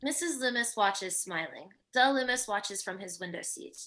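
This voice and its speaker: A woman's voice: mid-range voice, expressive, moderate pace, pushed and bright. A woman reading screen directions as scripted narration in a virtual table read. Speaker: stage directions reader.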